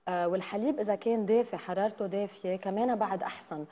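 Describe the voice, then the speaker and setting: Fast-talking Lebanese woman, mellow tone. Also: medium pitch. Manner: mixes English terms into Lebanese Arabic. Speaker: nutrition guest. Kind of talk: studio talk show explanation. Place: bright TV studio.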